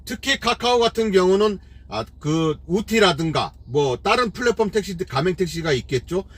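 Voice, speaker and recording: A man's voice: high-pitched, expressive, normal speed, slightly rough. A middle-aged man, a taxi driver hosting his own channel, delivers an opinionated commentary full of scolding rhetorical questions and fillers.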